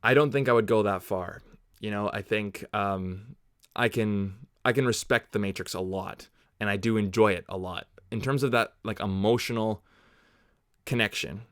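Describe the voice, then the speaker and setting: Man, Canadian-born, low smooth voice, rambling livestream chat, dry close mic. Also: moderate pace, a bit bright, dry recording. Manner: rambling, chatty, answers chat, drifts into tangents. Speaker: movie reviewer hosting a live watch-along.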